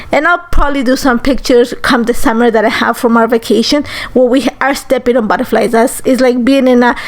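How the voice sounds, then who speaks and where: A woman in her forties from Ecuador, chatting easily through a crafting tutorial voice-over with lots of ums and likes. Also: a little high. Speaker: crafter on a design team.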